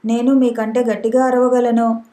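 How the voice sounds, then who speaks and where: A woman reading the lines of a proud, educated young man who speaks in a calm, restrained way. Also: on the high side, moderate pace, close to an everyday voice. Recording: roomy echo.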